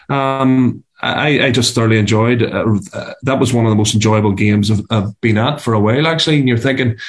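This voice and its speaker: A man with a Northern Irish accent giving casual sports punditry as a guest journalist, halting and repeating words as he goes. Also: mid-range voice. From Antrim, Northern Ireland.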